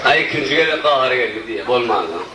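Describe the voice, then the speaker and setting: A man from Turkmenistan, a satirical comedian, tells comic stories live on stage, now and then jumping into high shouted chants. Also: brisk. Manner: lively, bursts into sudden high shouted chants. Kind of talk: live stand-up storytelling. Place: stage before a laughing audience. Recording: roomy live recording from a distance, crowd and noise.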